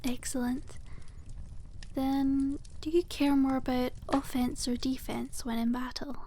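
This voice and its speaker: A woman voicing a cute, kindly witch shopkeeper in an ASMR roleplay, speaking softly and teasingly with old-fashioned courtesy. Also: sits high, flat delivery, a little slow, slight background noise. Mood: gentle, attentive. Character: cute, coy, kindly witch selling dragon eggs. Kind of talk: ASMR roleplay, scripted and addressed to listener.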